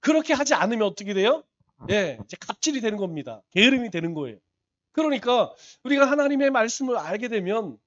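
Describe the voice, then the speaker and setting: A man's voice: high-pitched, muffled recording. A male pastor teaching a Bible study, asking the congregation rhetorical questions and repeating points for emphasis.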